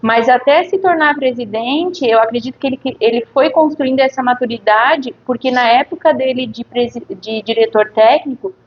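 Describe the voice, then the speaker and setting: A nurse from Criciúma, Santa Catarina, Brazil, chats as a guest in a casual interview, her higher voice reflective and hesitant. She talks at a normal speed with few pauses and often adds tag questions. The lo-fi audio sounds dull, with a faint noise underneath.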